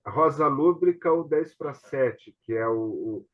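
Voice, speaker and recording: Over dull, lo-fi video-call audio, a Brazilian theatre director hosts a casual online discussion. His fairly high voice is expressive and measured in pace, and he explains things while frequently seeking agreement through tag questions.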